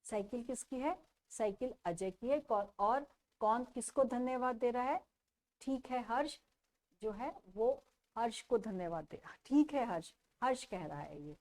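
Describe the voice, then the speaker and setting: A woman teaching a children's textbook lesson, repeating each question and answer slowly for young pupils. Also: a little high, animated, a little mellow.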